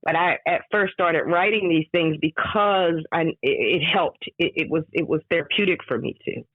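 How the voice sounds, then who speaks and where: A woman author with a hoarse voice, talking casually in an interview and getting animated when she stresses a point. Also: moderate pace, dry recording. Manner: animated, rising pitch when emphatic. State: hoarse from screaming. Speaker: author guest. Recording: tinny phone line.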